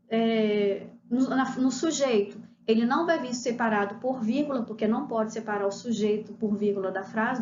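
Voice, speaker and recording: A woman with a high voice teaches a video lesson, walking through exercises and asking her students questions as she goes. The sound is roomy and a little dull, with faint noise behind her. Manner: explains step by step, asks the class rhetorical questions.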